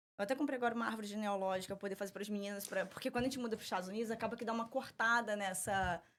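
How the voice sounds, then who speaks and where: With a Rio de Janeiro accent, a woman talks very fast at a fairly high pitch, fairly even in intonation and with hardly any pauses. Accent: carioca. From Brazil, Rio de Janeiro. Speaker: pastor. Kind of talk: testimony.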